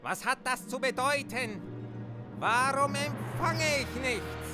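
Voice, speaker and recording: A woman's voice: sits high, takes it slowly. A woman playing a commanding, impatient villain in an amateur German audio drama, speaking in solemn, archaic formal phrases over music. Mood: impatient, angry. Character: commanding, impatient villain conjuring helpers from the underworld. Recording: music bed under the voice.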